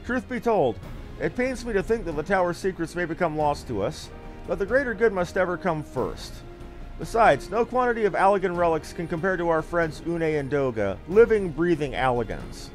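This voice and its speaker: A man's voice: a little high, expressive, normal speed, soft background music, lightly acted. A man voicing an earnest scholarly expedition leader from a fantasy game, formal and declamatory. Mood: earnest, commanding. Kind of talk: fantasy game dialogue read aloud.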